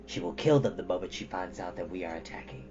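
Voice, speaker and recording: A grave eagle-beaked djinn acted by a man speaks low and softly, close to a whisper at times. The manner is solemn and respectful, and the sound slightly dull. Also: fast talker, over music, close to an everyday voice. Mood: grave warning. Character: grave, deferential blue djinn with eagle beak.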